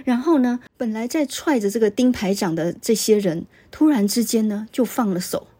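A woman's voice: fairly high pitch, normal speed, warm tone, slightly rough. A woman hosting a literature show, retelling a story in a chatty way with many filler particles. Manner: conversational, frequent filler particles. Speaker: literature podcast host.

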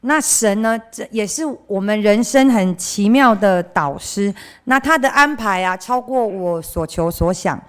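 A woman's voice: medium pitch, lively intonation, a little slow, smooth. A young woman from central Taiwan with a Taiwanese Mandarin accent gives a candid, chatty personal testimony at church. She often trails off with filler phrases and acts out the voices of people she quotes. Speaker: church member giving a testimony.

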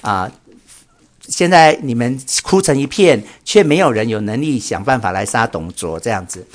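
A man's voice: mid-range voice, expressive, normal speed, lightly acted. A man voicing a bold, mocking warlord while retelling a classic tale.

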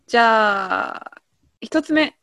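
A woman's voice: fairly high pitch, lively intonation, slow, pushed and bright, dry recording. A woman with a Kansai Japanese accent co-hosting a podcast, casually explaining slang with examples and laughing often. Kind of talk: casual chat lesson.

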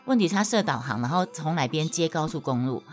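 A young woman with a Taiwanese Mandarin accent telling a story to her listeners in a casual, emphatic way, her voice leaping up when she gets worked up. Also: quick pace. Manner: animated, emphatic, voice jumps high when worked up.

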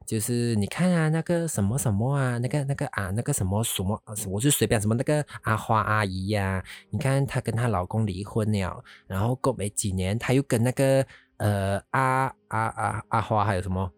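A young man telling a personal story in an emotional, halting way, full of fillers and restarts. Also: lowish voice, no echo. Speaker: vlogger telling his own story.

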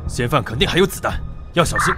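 A man's voice: mid-range voice, lively intonation, fast talker, loud music behind the voice, natural voice. An actor with a Taiwanese accent playing a composed, commanding male police squad leader in a radio drama. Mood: commanding, urgent.

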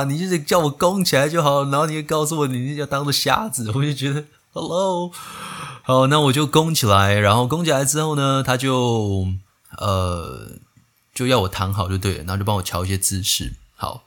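A fairly low-voiced young man tells a personal story on his podcast in a relaxed, chatty way. He gets animated, acting out the other people in the story with sudden jumps in pitch. English phrases slip into his talk. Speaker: podcast host. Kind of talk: casual storytelling monologue. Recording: slightly poor audio quality.

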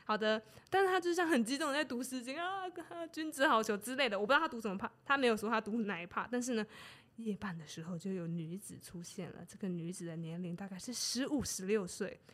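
A woman tells an old tale as a podcast co-host. She chats casually, slipping into playful acted voices for the characters. Her voice sits a little high. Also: fast talker, hardly any pauses. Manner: lively, acts out characters' lines with laughs. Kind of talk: casual storytelling chat.

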